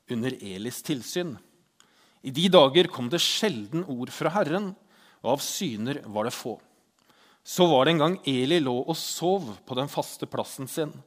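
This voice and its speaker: A man giving a Bible lesson who reads scripture aloud and explains it in a chatty way, asking the listener questions. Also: mid-range voice. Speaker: Bible teacher.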